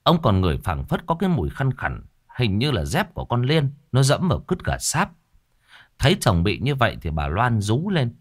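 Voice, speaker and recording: A man narrating a village folk story in a lively, colloquial way. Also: mid-range voice, moderate pace.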